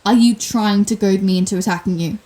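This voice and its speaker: A woman's voice: mid-range voice, steady tone, a little fast, dark tone, lightly acted. A woman playing a sardonic telepathic supervillain in an ASMR roleplay, theatrical and sarcastic, menacing with a hidden compassionate streak. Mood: exasperated, mocking. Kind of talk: ASMR roleplay audio drama.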